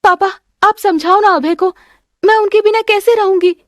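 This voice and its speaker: Woman playing a distraught young wife, high voice with big swings, dry booth sound. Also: fairly even intonation, normal speed, no room sound. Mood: pleading. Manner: high, pleading, crying out. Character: tearful young married daughter, distraught. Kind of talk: Hindi family drama voice acting.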